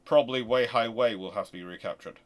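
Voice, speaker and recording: A man's voice: mid-range voice, fast. A man hosting a casual live question-and-answer talk, speaking emphatically and arguing through rhetorical questions. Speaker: host of a naval history channel.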